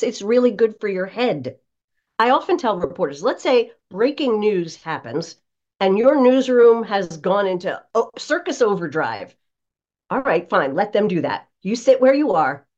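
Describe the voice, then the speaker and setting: A woman's voice: medium pitch, sing-song, normal speed, darkish tone, highs cut off. A woman giving conversational coaching advice as a guest voice coach, speaking in an emphatic, instructive way.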